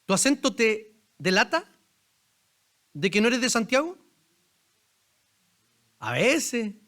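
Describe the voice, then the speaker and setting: A man's voice: sits high, sing-song, slow pace, sharp tone. A man with a Chilean accent preaching a sermon as pastor in a church, talking conversationally and putting questions straight to the congregation. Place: church sanctuary.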